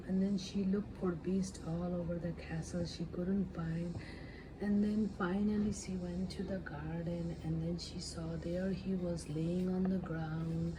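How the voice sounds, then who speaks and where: A woman speaks softly in an ASMR storytelling style, unhurried and on the low side. Her delivery is gentle and halting, hushed and close to whispering at times. A clear, steady noise sits behind her voice. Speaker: ASMR storyteller, channel host. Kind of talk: soft-spoken ASMR storytelling, improvised retelling of a fairy tale.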